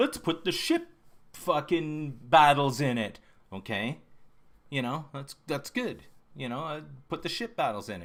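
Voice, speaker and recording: In a very clean recording with a silent background, a man speaks at a fairly slow pace with long, frequent pauses, his fairly high pitch swinging very widely, his loudness shifting a lot, and vocal fry in his voice. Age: 50s. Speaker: video game streamer. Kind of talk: live stream chat. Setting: live stream. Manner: animated.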